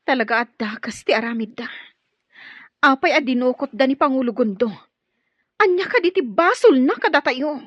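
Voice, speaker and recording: A woman's voice: high voice, animated, moderate pace, long pauses, fairly bright tone, no echo. An actress playing an anxious, troubled woman of a tribal family, fretful and pleading, with an Ilocano accent, in a radio drama. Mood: upset, pleading. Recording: muffled, band-limited radio drama recording.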